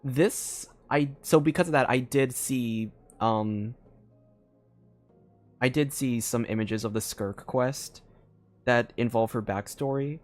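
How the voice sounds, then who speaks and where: A man's voice: medium pitch, slow pace, faint music behind. Casual young male game streamer, thinking aloud. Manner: rambling, thinking aloud, filler-heavy. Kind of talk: casual live commentary on a game.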